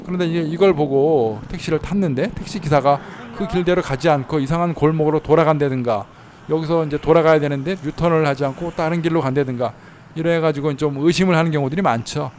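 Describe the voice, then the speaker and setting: A man giving casual travel tips in a chatty way, slowing down to spell out how words sound. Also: a little high, a little mellow, slight background noise. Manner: chatty, slows down to spell out pronunciations. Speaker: travel vlogger in Thailand. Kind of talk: casual explanatory talk. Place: inside a car while driving.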